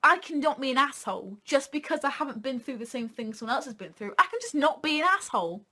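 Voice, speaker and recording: A woman's voice: high voice, animated, fast, sharp tone. A young adult woman co-hosting a casual question-and-answer chat, blunt and jokey, swearing freely. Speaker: co-host.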